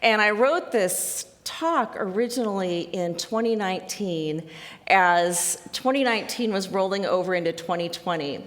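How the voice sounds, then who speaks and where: A woman speaks at a medium pitch and a fairly slow pace. Her pitch variation is ordinary, and audible room echo surrounds her voice. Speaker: speaker and musician at a spiritual center. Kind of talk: sermon.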